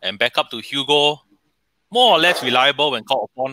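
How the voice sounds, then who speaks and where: With a Singaporean accent, a man speaks at a moderate pace in a dry sound with no echo, over light background noise. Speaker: football fan panelist. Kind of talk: casual panel discussion. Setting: video call. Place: home room. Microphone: headset.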